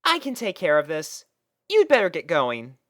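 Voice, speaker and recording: A woman voicing a kindly, thoughtful female pony with a calm, pondering manner in a storybook reading. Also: on the low side, moderate pace, long reverb tail, voice pushed up. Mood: helpful.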